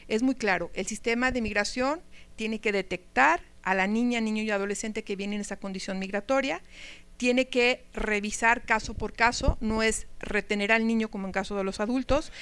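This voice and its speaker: A woman lectures a room of teachers in a conversational way, often turning to them with questions. Her voice is smooth and clear, at a mid pitch. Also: fairly bright tone. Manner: conversational, asks the audience questions. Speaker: speaker at a teacher training talk.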